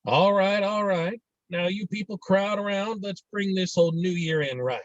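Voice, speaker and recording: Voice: mid-range voice, normal speed, no room sound, natural voice. An actor voicing a blustering, domineering middle-aged father in a screenplay table read, over muffled call audio. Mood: boisterous, commanding.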